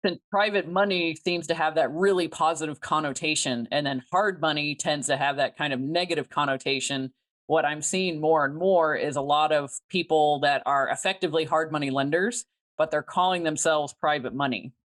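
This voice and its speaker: A woman who is a private money lender, speaking as an interview guest and explaining things clearly and methodically. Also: low-pitched, normal speed. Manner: articulate, methodical, explains step by step.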